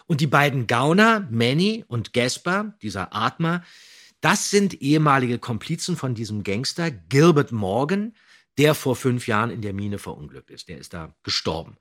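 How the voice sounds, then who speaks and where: Guy on a podcast explaining stuff casually, husky voice, middling pitch. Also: a bit bright. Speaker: podcast co-host. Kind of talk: casual discussion, retelling a plot.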